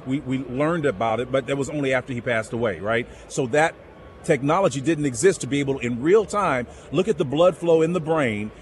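A man's voice: medium pitch, slight background noise. A man who is a guest in an interview, explaining in an earnest, step-by-step way.

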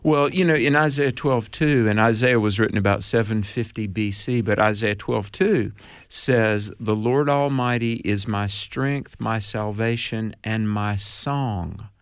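Man on talk radio, animated, quotes scripture, dry close sound. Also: on the low side, a little slow, smooth, no room sound. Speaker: radio show guest and apologist. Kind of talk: casual radio chat.

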